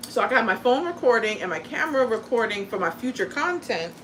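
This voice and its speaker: A woman's voice: on the high side, big pitch swings, fairly quick, a bit bright, slight background noise, low-quality recording. Blunt, chatty woman livestreaming. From born in Guyana, raised in the US. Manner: blunt and profane, chatty, self-deprecating. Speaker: crafting content creator and livestream host. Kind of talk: casual livestream chat.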